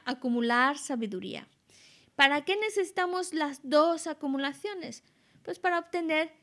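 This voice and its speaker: High-voiced woman interpreting a Buddhist teaching. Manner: measured and explanatory, with many restarts.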